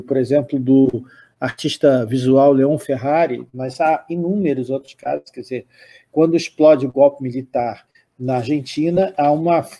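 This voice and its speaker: An older Brazilian man with a mellow, mid-range voice hosts a music program, speaking unscripted in a Brazilian Portuguese accent. His commentary rambles, full of restarts and tag questions.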